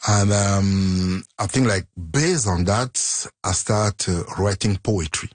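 A man talks through an interview in a low, husky voice. He speaks hesitantly, leaning on fillers and restarting his sentences. The sound is dry and close. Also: slow pace, dry recording. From Cameroon. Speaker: musician guest. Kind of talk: interview conversation.

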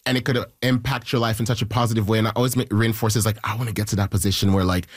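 A man from Haiti, a musician guest, telling stories in an excitable, animated way and jumping into high quoted voices. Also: rapid-fire, no echo, studio quality. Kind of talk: casual interview storytelling.

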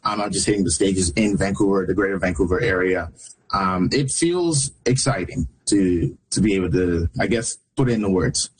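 A man's voice: low voice, normal speed, husky, rough recording. A young man who is a stand-up comedian, talking as an interview guest in a jokey, laid-back way with many fillers.

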